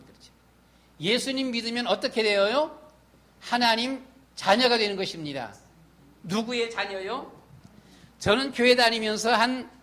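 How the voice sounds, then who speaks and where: A middle-aged pastor preaching a sermon with emphasis and repeated rhetorical questions in a church sanctuary. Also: male voice, extremely high pitch, a bit bright. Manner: acts out his own past and inner voice in quotes.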